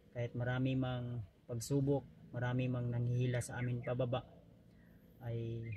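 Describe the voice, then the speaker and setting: A somewhat breathy man speaks at a moderate pace with monotone, flat intonation, the sound dry with no echo but with noticeable background noise. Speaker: vlogger. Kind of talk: casual vlog chat. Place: forest. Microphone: phone near.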